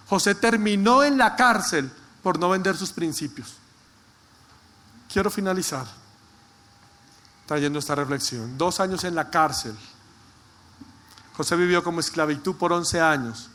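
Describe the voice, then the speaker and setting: A man preaching a sermon as pastor, stressing points by repetition and slowing down to read scripture. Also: high voice, bright, forceful tone.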